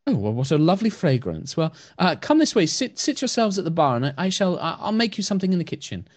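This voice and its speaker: A man voicing a gentle blind wood elf woman who runs a temple, speaking softly, kindly and with stammers. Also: sits high, sing-song, quick pace, dry recording, voice pushed up. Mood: welcoming. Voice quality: soft, breathy.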